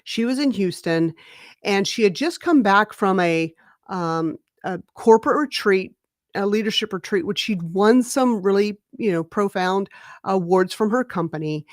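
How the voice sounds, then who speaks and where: A woman's voice: mid-range voice, a little slow, no echo, clean studio sound. A middle-aged woman, a career coach, telling a story as a guest and acting out the dialogue with energy. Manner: animated, acts out dialogue in the stories. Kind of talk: conversational storytelling.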